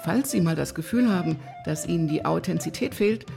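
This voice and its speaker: A woman's voice: on the low side, expressive, fairly quick, creaky. A woman reading scripted instructional narration in a formal, mock-official manner. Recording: music behind the voice. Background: music.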